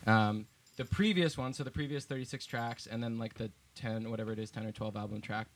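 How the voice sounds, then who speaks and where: A man's voice: fairly low pitch, fairly even intonation, fairly quick. A young man from Vermont, a band leader and guitarist, talking loosely in an interview with lots of fillers and restarts. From Vermont, USA. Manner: chatty and laughing, with many fillers and restarts. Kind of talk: casual interview chat.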